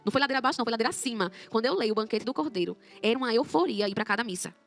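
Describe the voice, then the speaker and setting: Young woman, rapid-fire testimony, gravelly voice, soft music underneath. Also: a little high. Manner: fast, animated storytelling, acting out her own quoted words. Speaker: guest giving a conversion testimony. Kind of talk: emotional personal testimony.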